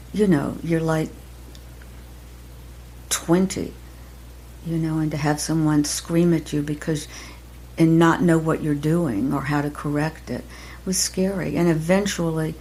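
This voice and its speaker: An older woman, an acting teacher, talking reflectively in an interview, soft-spoken and halting, with many pauses and restarts. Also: low-pitched, vocal fry, a little hiss or hum, poor audio. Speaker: acting teacher, podcast guest.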